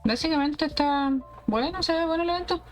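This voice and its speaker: A woman's voice: very high-pitched, quick pace, soft background music. A young woman from Chile with a Chilean accent, chatting casually and rambling to her stream viewers. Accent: Chilean Spanish. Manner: relaxed, rambling chat to viewers.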